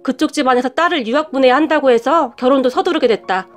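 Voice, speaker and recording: A cold, scornful middle-aged mother, as a woman narrator puts her on, snapping and scolding in a storybook reading. The voice sits high, with faint music underneath. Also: fast talker, natural voice. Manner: sharp, scolding, talks down.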